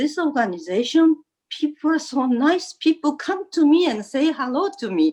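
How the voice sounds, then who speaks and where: A woman with a Japanese accent speaks in a high voice. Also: lively intonation, moderate pace. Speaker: businesswoman and philanthropist. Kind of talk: interview. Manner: halting; animated.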